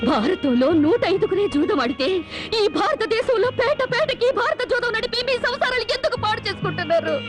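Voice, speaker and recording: An actress playing a young wife who has been wronged, speaking in reproachful, sarcastic, tearful outbursts in a film melodrama. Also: female voice, very high voice, expressive, fairly quick. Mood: anguished reproach. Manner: reproachful, sarcastic, weeping speeches. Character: wronged young wife, bitter and grief-stricken. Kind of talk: Telugu film melodrama acting. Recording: film soundtrack with music score.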